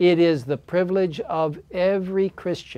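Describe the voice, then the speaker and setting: A man speaks at a fairly slow pace. His voice is high-pitched with a dark, mellow tone. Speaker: church leader preaching. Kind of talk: sermon. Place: studio. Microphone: lapel.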